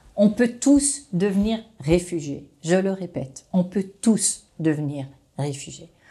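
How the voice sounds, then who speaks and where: Over a quiet background, a woman with a dark, mellow tone and a somewhat breathy voice talks at a very slow pace with very wide pitch swings. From California. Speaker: climate policy expert; interview guest. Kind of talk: interview. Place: office. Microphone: lapel.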